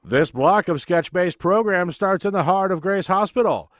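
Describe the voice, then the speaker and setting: Male announcer reading a sketch intro, highish voice, dry close sound. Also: normal speed, no echo.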